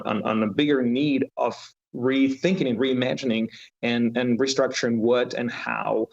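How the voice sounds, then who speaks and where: A man with a Ukrainian accent, a pastor, answering interview questions haltingly, often restarting as he searches for words. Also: medium pitch, gravelly, highs cut off.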